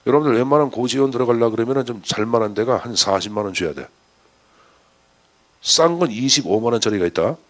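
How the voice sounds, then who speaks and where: A man giving a chatty exam-prep lecture, firing rhetorical questions at his students. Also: medium pitch.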